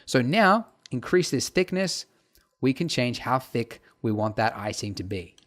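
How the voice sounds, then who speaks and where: A man teaching a casual software tutorial over his screen, chatty and full of fillers and asides. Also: medium pitch, sing-song, unhurried. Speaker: tutorial instructor.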